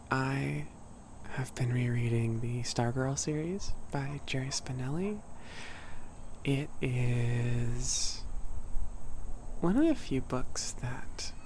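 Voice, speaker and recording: Slow, breathy, gentle giant cat boy voiced by a man. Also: medium pitch, slight background noise. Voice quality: soft, breathy, often near whisper. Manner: gentle, hesitant, rambling, apologetic. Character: sweet, shy giant young cat boy friend. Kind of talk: ASMR roleplay, casual chat to listener.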